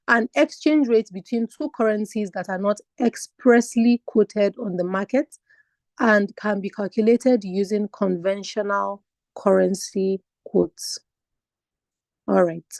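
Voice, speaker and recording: In this online lecture, a woman from Nigeria explains a finance exam topic one step at a time, posing rhetorical questions to her students. She speaks at a measured pace in a medium pitch with a slightly mellow quality, and the studio recording is clean and dry.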